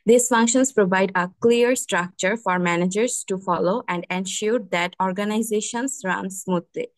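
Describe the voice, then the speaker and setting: A woman with a Bangladeshi accent reading a prepared speech in English. Her intonation stays flat and level. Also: mid-range voice, very slow, no echo, rough recording. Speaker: student giving a speech.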